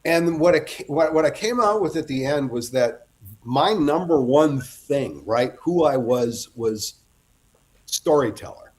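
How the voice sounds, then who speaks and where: A man's voice: a little high, expressive, measured pace. Rambling middle-aged male storyteller. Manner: rambling anecdotal storyteller, self-interrupting. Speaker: guest author. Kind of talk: casual interview chat.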